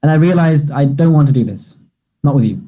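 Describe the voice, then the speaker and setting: A man playing an awkward, earnest young gay man who is apologetic and unsure, speaking haltingly in a play table read. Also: a little high, animated, dark tone, natural voice. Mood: hesitant, uneasy. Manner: hesitant, halting.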